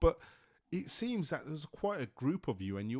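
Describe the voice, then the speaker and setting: A man talks at a fairly quick pace, his pitch swinging very widely. The recording is very clean, with a silent background. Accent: Birmingham. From Birmingham, England. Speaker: podcast host. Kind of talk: interview. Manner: halting, repeats words.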